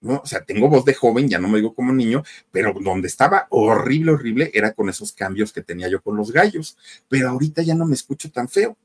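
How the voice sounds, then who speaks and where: A man's voice: medium pitch, animated, fast, slightly rough. A man voicing a shy teenage boy who worries about girls and his own voice, with a fretful, self-questioning manner.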